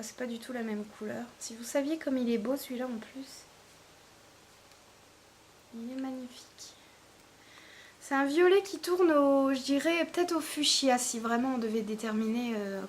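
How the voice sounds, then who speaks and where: Chatty high-voiced woman reviewing polish. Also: slight background noise. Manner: chatty, hesitant, many fillers. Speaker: beauty vlogger. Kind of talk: casual product review.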